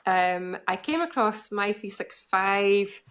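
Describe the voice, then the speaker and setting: A woman's voice: medium pitch, lively intonation, slow pace, a bit bright, clear, resonant tone. A Scottish woman in her forties, an occupational therapist, answering interview questions in a friendly, matter-of-fact way. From Scotland.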